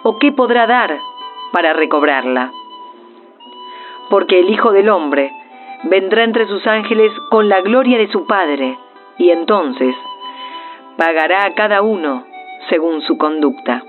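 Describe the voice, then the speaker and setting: A woman's voice: fairly low pitch, lively intonation, a little slow, long pauses. A woman voicing a solemn, stern Gospel figure in a dramatised scripture reading. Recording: tinny radio-like band, music behind.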